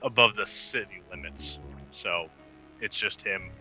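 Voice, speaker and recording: A man playing a tabletop game, speaking in an earnest, deliberate way. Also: low-pitched, bright, forceful tone, soft background music, low-quality recording. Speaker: player.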